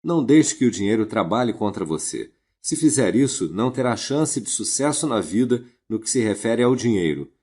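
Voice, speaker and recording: A man reading a self-help audiobook in a steady, earnest narration. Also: lowish voice, normal speed, few pauses, breathy edge.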